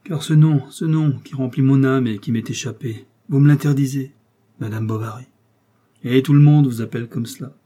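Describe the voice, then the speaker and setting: A man doing a smooth, scheming seducer in an audiobook, pouring out melancholy declarations in a warm, husky voice. He sounds pleading and impassioned, pushing his lines a little higher and louder than a plain reading. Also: moderate pace, close to an everyday voice. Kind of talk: audiobook character voice.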